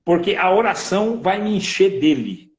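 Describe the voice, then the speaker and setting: A man, an interviewed preacher sharing his testimony in lively storytelling, acting out other voices with emphasis. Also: sits high, moderate pace, rough recording.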